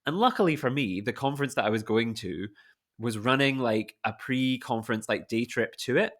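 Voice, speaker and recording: A man's voice: mid-range voice, moderate pace, a bit bright. A man with a Scottish accent hosting a podcast, chatting casually and enthusiastically, with lots of "like" fillers. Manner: rambling and enthusiastic, many fillers like "like". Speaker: podcast host.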